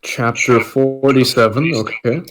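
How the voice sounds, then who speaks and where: A man's voice: mid-range voice, unhurried, a bit bright, a little hiss or hum. A man bantering casually as a podcast host, wry and wordy in a teasing way.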